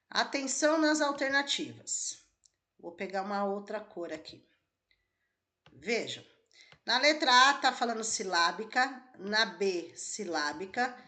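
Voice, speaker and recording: A woman's voice: a little high, sharp tone. A woman teacher, walking students through an exam question step by step and asking them questions. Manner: explains step by step, asks the class questions. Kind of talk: exam-prep lesson walkthrough.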